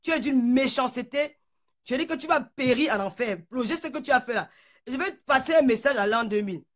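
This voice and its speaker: A woman's voice: sits high, a little fast. A woman in a heated online video rant, furious and shaking with anger, hurling insults and stammering over repeated words. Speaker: social media personality.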